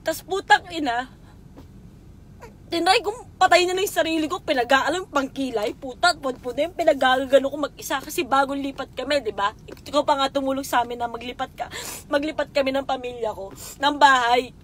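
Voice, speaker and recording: A young woman vlogger pours out a painful personal story directly to someone, raw, emotional and swearing. Her high, somewhat bright voice moves briskly, with slight background noise.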